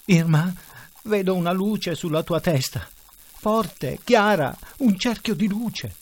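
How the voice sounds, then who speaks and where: A man's voice: a little high, lively intonation, normal speed, darkish tone, pitched above the performer's own voice, close to an everyday voice. A man voicing a self-absorbed middle-aged husband who performs monologues, emphatic and declamatory. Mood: alarmed. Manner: emphatic and declamatory, rising to alarm. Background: faint music.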